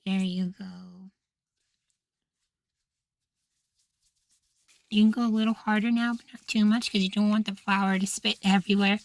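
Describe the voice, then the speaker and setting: A man playing an affectionate, easily flustered young femboy househusband in an intimate ASMR roleplay, speaking in a soft, feminine, coaxing way. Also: high-pitched, level tone, quick pace, no echo. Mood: gently coaxing. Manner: coaxing, gently praising, sweetly apologetic.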